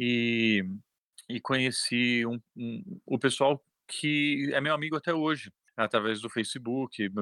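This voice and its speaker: On a very clean recording with a silent background and dry, close sound with no echo, a man speaks at a medium pitch with a bright, sharp tone. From Brazil, São Paulo city. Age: 50s. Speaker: travel guide. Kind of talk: interview.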